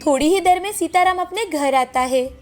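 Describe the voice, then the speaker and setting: A woman tells a cartoon story in a high, clear voice, keeping a steady storybook pace. Faint background music runs throughout. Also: moderate pace. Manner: clear, even storytelling delivery. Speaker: narrator. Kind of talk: scripted storybook narration.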